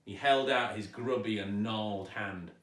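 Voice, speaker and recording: A man narrating a children's story aloud with dramatic, expressive delivery, recorded in a roomy space at some distance. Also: lowish voice, unhurried. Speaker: storyteller, actor reading aloud. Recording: roomy echo, distant microphone.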